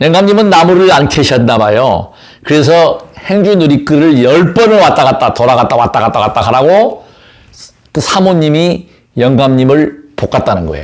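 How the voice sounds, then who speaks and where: At a moderate pace, a man with a fairly high voice makes very wide pitch swings. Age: 60s. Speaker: vlogger giving life advice, Buddhist practitioner. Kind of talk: casual storytelling vlog to viewers.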